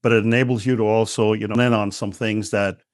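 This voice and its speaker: A man's voice: lowish voice, little pitch movement, fast talker, dry recording, clean studio sound. A man hosting a podcast interview, asking friendly, rambling questions and affirming often. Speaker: podcast host. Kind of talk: casual interview talk.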